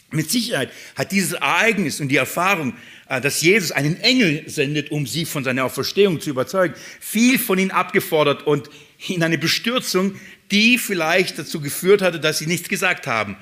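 Lively, bright-voiced male preacher. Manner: lively, asks the congregation rhetorical questions; acts out quoted speech with sudden high exclamations. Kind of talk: sermon.

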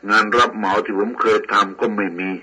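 A man's voice: fairly low pitch, steady tone, fairly quick, pushed and bright, slightly rough, full character voice, rough recording. A man voicing an ashamed, debt-ridden younger man who speaks humbly and pleads for help. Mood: humble, pleading. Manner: pleading, deferential.

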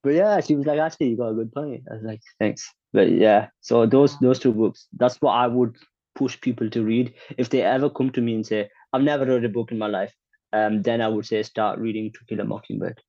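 A man's voice: mid-range voice, fairly even intonation, fairly quick, dark tone, dry recording. An opinionated young man in a casual chat, telling stories and voicing the people in them. He stammers when he restarts a sentence. The recording is dry and slightly dull. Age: 20s. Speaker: conversation partner.

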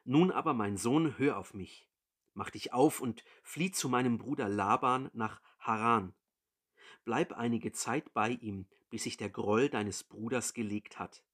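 A man's voice: medium pitch, unhurried, fairly bright tone, slightly rough. A man reading as an urgent warning mother.

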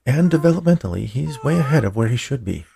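A man voicing a puzzled, blunt family doctor in an audiobook, explaining in a measured, emphatic way. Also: mid-range voice, expressive, vocal fry, dark tone, slight background noise, pitched above the performer's own voice. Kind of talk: audiobook character dialogue.

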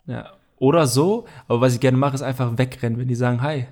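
A young man co-hosts a laid-back podcast. He drifts from point to point and fills the gaps with filler words. His voice sits at an ordinary middle pitch. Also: fast talker. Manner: relaxed, rambling with many fillers. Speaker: podcast co-host. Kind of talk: casual podcast chat.

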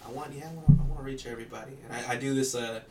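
A man's voice: mid-range voice, racing, a little mellow, slight background noise. A young man chatting casually as a podcast guest, rambling with fillers and laughing often.

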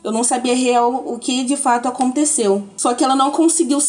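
A woman gives a halting, emotional personal testimony, often breaking off and restarting. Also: sits high, fairly even intonation, darkish tone, soft background music. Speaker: interviewee.

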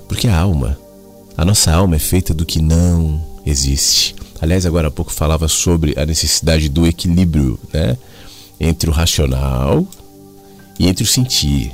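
A middle-aged man gives a slow, poetic spoken reflection, telling a family story and quoting poets. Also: low voice. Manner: slow, musing, poetic delivery with quotations. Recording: soft music behind the voice.

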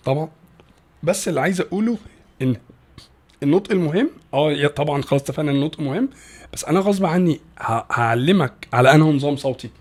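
A man with an Egyptian Arabic accent, a guest teaching English pronunciation in a casual podcast talk, animated and full of restarts. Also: a little high. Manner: animated, fast, many restarts and repeated words.

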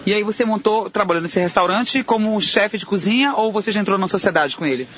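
A man's voice: sits high, fast, a bit bright, muffled recording, a little hiss or hum. A man hosting a radio interview, eagerly prompting his guest and finishing his sentences. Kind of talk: casual interview.

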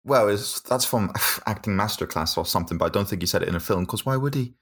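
A man with a deep voice, co-hosting a podcast in casual chat and laughing often as he jokes. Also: fast talker, slightly rough. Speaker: podcast co-host.

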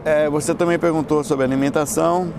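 A man with a Bahian Brazilian accent and a slightly high voice talks in a loose, casual chat. He is playful and slangy, often breaking off and restarting his sentences. Traffic and street noise are clearly heard behind him. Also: steady tone, brisk. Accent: Bahian Brazilian Portuguese. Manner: colloquial, slangy, playful, with repeated false starts and self-interruptions. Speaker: speaker answering audience questions on spirituality and lifestyle.

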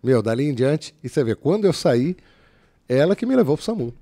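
A man's voice: medium pitch, brisk. A man from São telling a story in casual, slangy talk, acting out the voices. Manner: animated, slangy, acts out voices. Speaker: guest.

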